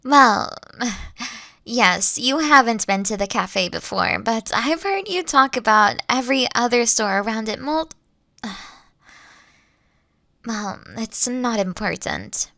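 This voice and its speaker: Doting female boss, bright creaky voice acted by a woman. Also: a little high, expressive, takes it slowly, no echo, clean studio sound, heavily acted. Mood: warm, teasing. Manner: affectionate, coaxing, gently teasing. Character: caring, doting older female boss courting her sweet employee. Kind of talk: intimate audio roleplay acting.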